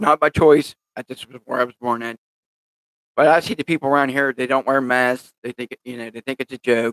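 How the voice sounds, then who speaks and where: A man with an American accent speaks at a medium pitch and a fairly quick pace. His loudness swings widely, and the sound is dry and close with no echo. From West Virginia. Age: 40s. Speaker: podcaster. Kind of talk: casual monologue. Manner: halting, many repetitions; animated.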